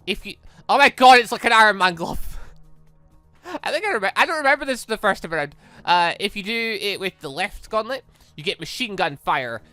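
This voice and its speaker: A host reading a visual novel aloud in an animated, rambling way, slipping between the script and off-the-cuff reactions. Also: medium pitch, brisk, dry recording, faint music behind. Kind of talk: lively read-along commentary with ad-libbed asides.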